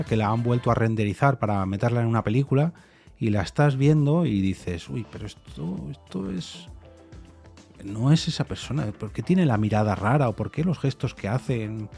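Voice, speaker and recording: A man's voice: medium pitch, vocal fry, a little mellow. A man hosting a solo opinion podcast, thinking aloud with many fillers and restarts. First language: Spanish. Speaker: podcast host.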